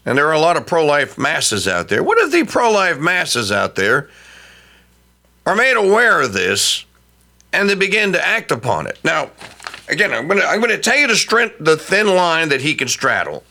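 A man's voice: on the high side, wildly swooping pitch, moderate pace, gravelly, sharp tone. A middle-aged man hosting a talk radio show, delivering an emphatic opinion monologue that often stumbles into repeated restarts.

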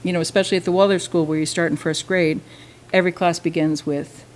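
Enthusiastic woman, lowish voice. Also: fairly even intonation, fast talker. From Vermont, USA. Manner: enthusiastic, chatty, full of praise words. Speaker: musician and French teacher. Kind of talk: casual interview talk.

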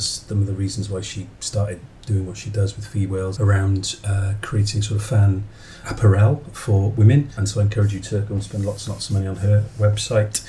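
A man in his forties hosts a casual podcast in a low, soft-edged, mellow voice. He rambles gently and corrects himself mid-thought. There is faint background noise on the recording. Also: poor audio. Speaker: podcast host. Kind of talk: casual chat, podcast introduction.

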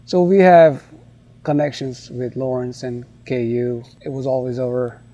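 A man in his forties from India, a winery owner telling his story in a friendly, unhurried podcast interview. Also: medium pitch, steady tone, dark tone, lo-fi sound.

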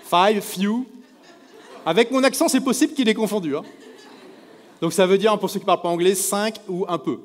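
A man from France with a slightly high voice tells lively stories to a live crowd from a stage. He acts out the people in his anecdotes. His voice rings with the long echo of a big event hall. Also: a little fast. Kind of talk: storytelling talk to a live audience. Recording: echoey hall reverb.

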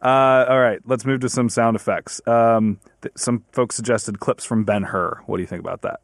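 A man's voice: medium pitch, fairly even intonation, moderate pace, no echo. A young man reading listener comments in casual podcast chat, teasing the host in a dry way.

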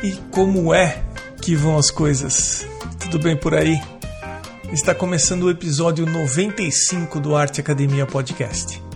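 A man's voice: fairly high pitch, fairly even intonation, moderate pace, creaky, music in the background. A man with a Brazilian accent hosting a podcast, speaking in a conversational interview style. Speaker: podcast host.

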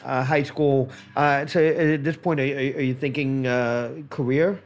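A man's voice: mid-range voice, steady tone, measured pace. A man interviewing casually, feeling his way into questions and rephrasing them as he goes.

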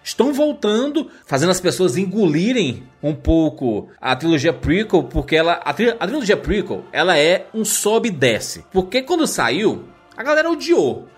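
A man's voice: a little high, very animated, normal speed, slightly rough, soft background music. A man with a Brazilian Portuguese accent talking casually about films in a rambling, slangy way, full of tag questions. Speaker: podcast panelist. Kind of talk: casual opinionated discussion of films.

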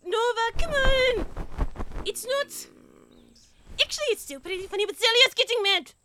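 A woman's voice: very high voice, a little fast, slight background noise, heavily acted. A woman voicing an exasperated young woman trying to get someone off her bed. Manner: exasperated, animated.

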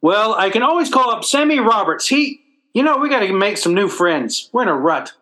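A man's voice: sits high, very animated, moderate pace, bright, forceful tone, heavily acted. A man acting a blustering, hapless working-class father in old-time radio comedy, stammering in folksy, ungrammatical talk.

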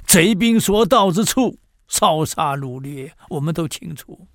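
A man's voice: on the high side, expressive, normal speed, no echo, clean studio sound. Old male commoner lecturing an emperor, impassioned and outspoken, played by a man. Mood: pleading. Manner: pleading, rising to indignant outbursts.

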